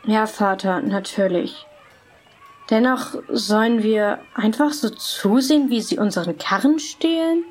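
A woman's voice: mid-range voice, measured pace, lightly acted. A woman playing an anxious, spirited but obedient young medieval girl, hesitant and respectful, in a German radio play. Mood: contrite, doubtful.

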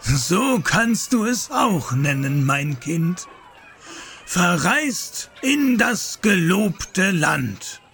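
Sly pious medieval priest in an audio drama, higher male voice, really slow, condescending and menacing. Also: big pitch swings, fairly bright tone, soft background music, exaggerated voice. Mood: smug, solemn. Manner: measured, paternal, pious and patronizing. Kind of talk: German audio drama acting.

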